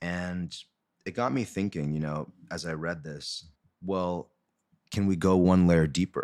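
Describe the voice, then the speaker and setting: Using a very deep, low pitch and fairly even intonation, a man speaks at a fairly slow pace with long, frequent pauses. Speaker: podcast host. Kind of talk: solo podcast monologue.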